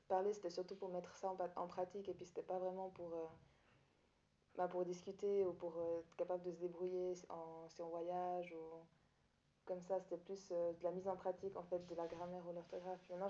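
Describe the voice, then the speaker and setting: A young woman whose first language is Italian answers an interviewer's questions, pausing often and restarting her sentences. Her voice is mellow and fairly flat in tone, set in an echoey room. The recording sounds dull and slightly lo-fi. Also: on the low side. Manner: hesitant, many fillers and restarts. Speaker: student teacher.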